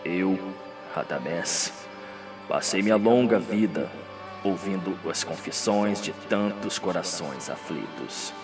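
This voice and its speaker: A man voicing a dying old confessor, solemn and sorrowful, with a slow, grave delivery in an audio drama. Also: low voice, lively intonation, recorded from a distance, music in the background, pitched below the performer's own voice, heavily acted.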